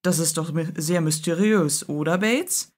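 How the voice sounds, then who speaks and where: A woman's voice: low voice, a little slow. A woman voicing a stern, commanding aristocratic lord of the manor, impatient with his servants. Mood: puzzled.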